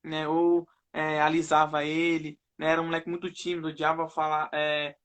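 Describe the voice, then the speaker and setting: A man's voice: fairly high pitch, completely flat delivery, normal speed, a bit bright. Young Northeastern Brazilian man, frequent "né?". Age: young adult. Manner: tags almost every phrase with "né?". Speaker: guest. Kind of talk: personal testimony in a live interview.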